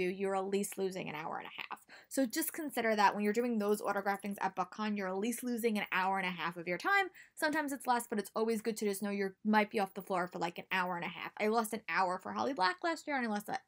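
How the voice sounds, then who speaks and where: A woman's voice: medium pitch, expressive, fast talker, hardly any pauses, a bit bright. A young American woman giving casual, chatty advice to camera in a small room at home, speaking emphatically and repeating words for stress. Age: young adult. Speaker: book vlogger.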